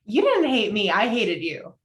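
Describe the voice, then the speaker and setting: A woman's voice: mid-range voice, huge pitch swings, moderate pace. Lady reading a fond picky woman in love, romcom script, middle-range voice. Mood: fond, reminiscing. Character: Sally, fond, particular woman in love, romantic comedy lead. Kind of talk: script table read. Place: virtual call from home.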